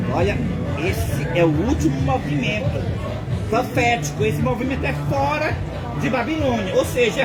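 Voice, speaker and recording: A man with a Brazilian accent preaching an impassioned end-times sermon, often shouting and repeating words for emphasis. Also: very high-pitched. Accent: Brazilian Portuguese. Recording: loud music and crowd noise behind.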